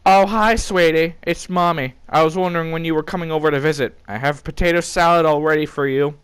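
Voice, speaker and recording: A man's voice: fairly high pitch, steady tone, a little fast, a bit bright, clean tone, dry recording, voice pushed up, natural voice, rough recording. A man voicing a doting, lonely mother of a grown son in a comic story, sweet and fussing. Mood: sweet, coaxing. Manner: sugary, fussing.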